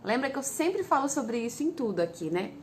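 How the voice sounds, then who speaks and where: A woman's voice: sits high, sing-song, a little fast, slight background noise. A woman with a Brazilian Portuguese accent, a parenting educator, explaining things patiently and speaking directly to the parents listening. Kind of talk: casual instructive talk to parents.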